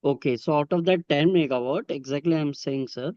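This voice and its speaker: A man with an Indian accent asking questions on a business conference call in a halting, wordy, polite way. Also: a little high, darkish tone, no echo. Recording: muffled, lo-fi conference call audio.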